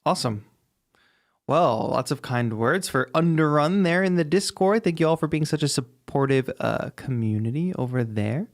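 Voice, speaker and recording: A man hosting a live stream, chatting casually and giving conversational, softened critique of music. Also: fairly high pitch, expressive, moderate pace. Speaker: host judging music challenge entries.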